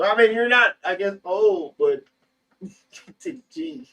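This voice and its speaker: With a bright, sharp tone, a man speaks very slowly in a high pitch that swings very widely. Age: 20s. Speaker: livestream co-host. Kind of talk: casual livestream chat. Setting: livestream.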